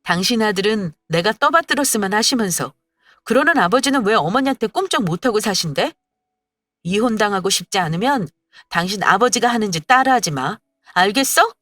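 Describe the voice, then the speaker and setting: A woman's voice: a little high, expressive, normal speed, fairly bright tone, dry recording, studio quality, soft background music, pitched above the performer's own voice. A woman voicing an angry young wife who scolds her husband indignantly in a storybook radio drama. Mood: scolding.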